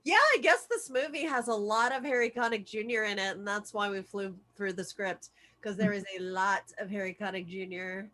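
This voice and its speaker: A woman's voice: medium pitch, normal speed, fairly bright tone. A woman hosting a virtual script read, speaking as narrator and chatting casually with the group. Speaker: host and stage-direction reader. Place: virtual call from home.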